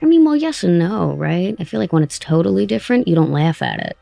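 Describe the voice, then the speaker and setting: A woman's voice: on the low side, big pitch swings, fast talker, gravelly, dark tone, no room sound. A woman hosting a casual interview, conversational and attentive as she asks questions and comments. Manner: conversational, attentive, with brief acknowledgements. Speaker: interviewer and writer of an audio drama. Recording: close dry sound with music behind. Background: background music.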